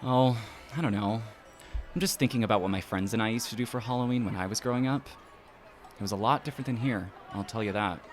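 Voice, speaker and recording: A man's voice: fairly low pitch, quick pace, faint music behind, lightly acted. An actor playing an easygoing, friendly but hesitant young man in a naturally acted audio drama. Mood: distracted, wistful. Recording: clear outdoor ambience noise behind voice.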